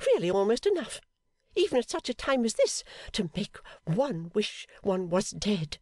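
A reader voicing an indignant, snobbish young woman who scolds in long, shrill complaints in an audiobook. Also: sing-song, moderate pace, a little mellow, no echo, clean studio sound. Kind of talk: storybook reading.

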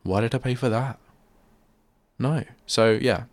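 A man's voice: medium pitch, measured pace, no room sound. A male radio host with a stuffy head cold, chatting in a rambling, self-deprecating way at a studio microphone. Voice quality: bunged-up, nasal. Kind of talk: casual solo radio chat.

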